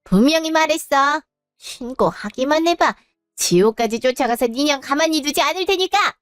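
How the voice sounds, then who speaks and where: A woman's voice: high voice, expressive, moderate pace, no room sound, clean studio sound, soft background music. A woman voicing a cold, defiant young daughter-in-law in an audio drama. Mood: threatening.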